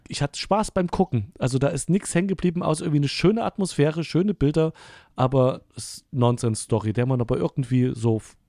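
A man's voice: mid-range voice, dark tone, dry recording, studio quality. A man in his forties co-hosting a casual film podcast, rambling and correcting himself as he talks. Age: 40s. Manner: rambling, self-correcting, amused. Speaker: podcast co-host.

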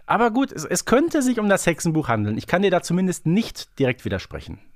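A man's voice: high-pitched, huge pitch swings, fast talker, no room sound, studio quality. A man co-hosting a fan podcast, casually thinking aloud as he talks. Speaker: podcast co-host.

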